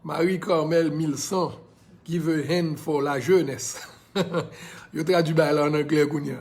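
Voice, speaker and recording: A man's voice: fairly high pitch, fairly even intonation, unhurried, a little mellow. A man with a Haitian accent giving an impassioned, preachy monologue in a casual live video, now and then slipping into English phrases. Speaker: social media personality.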